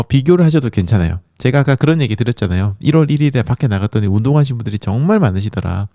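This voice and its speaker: Mellow-voiced man hosting a running podcast. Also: medium pitch, dry recording, studio quality. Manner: encouraging, chatty, many fillers. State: sore throat from a coming cold. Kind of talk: casual podcast monologue.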